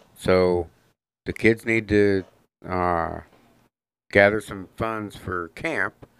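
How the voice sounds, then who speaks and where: A man with fairly low pitch and ordinary pitch variation speaks at a very slow pace on a very clean recording with a silent background. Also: long, frequent pauses. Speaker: co-host, security business owner. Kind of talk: casual chat.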